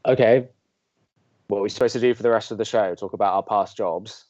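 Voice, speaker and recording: A man's voice: lowish voice, fairly quick, a little mellow, highs cut off, close to an everyday voice. A man playing an awkward, wry young college radio co-host in an audio drama. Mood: dry, wry. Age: young adult. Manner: dry, exasperated, awkward.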